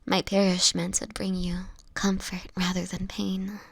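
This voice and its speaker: A woman playing a sickly, gentle, anguished vampire in an intimate audio roleplay, speaking in a breathy, often whispered voice with tender, halting, formal phrasing. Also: medium pitch, monotone, no room sound, heavily acted. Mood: tender, soothing. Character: sickly homeless young female vampire, gentle, anguished, self-sacrificing.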